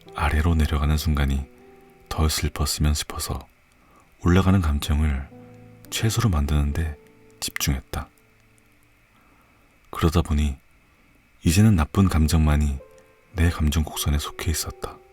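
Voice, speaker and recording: With music in the background, a man with a very deep, low voice speaks, leaving long, frequent pauses. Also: fairly even intonation, fairly slow pace. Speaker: audiobook reader, ASMR narrator. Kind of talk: audiobook reading of an essay, bedtime listening.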